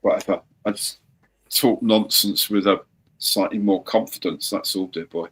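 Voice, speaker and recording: A man's voice: on the low side, fairly even intonation, normal speed, a bit bright, husky. A man hosting a casual live-stream chat, rambling and chatty with some mild swearing. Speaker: host.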